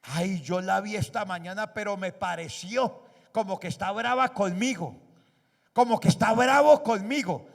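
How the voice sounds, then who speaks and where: A man voicing a fretful church member who gossips, rambling and suspicious in a shrill, raised voice. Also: moderate pace, creaky, big-room sound. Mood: gossipy.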